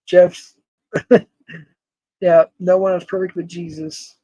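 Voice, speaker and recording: High-voiced man in his forties, dry. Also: little pitch movement, slow, warm tone, no room sound, dull audio. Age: 40s. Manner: rambling, laughs often, talks to chat by name. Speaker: livestream host. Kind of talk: casual livestream chat reading comments.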